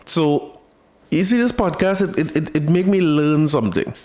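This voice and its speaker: A man's voice: fairly high pitch, animated, normal speed, a little mellow. Chatty Trinidadian man hosting a podcast. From Trinidad and Tobago. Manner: chatty, laughs easily, repeats words when starting a thought. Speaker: podcast host. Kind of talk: casual chat.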